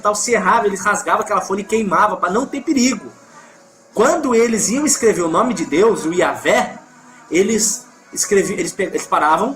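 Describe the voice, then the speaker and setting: A man's voice: high voice, fairly bright tone. A man with a Brazilian Portuguese accent leading a live Bible study, emphatic, reading scripture aloud and correcting himself as he goes.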